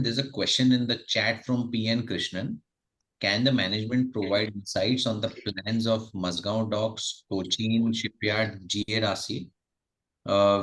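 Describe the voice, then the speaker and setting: A man's voice: on the low side, fairly bright tone, rough recording. A man with an Indian accent moderating a conference call and relaying questions.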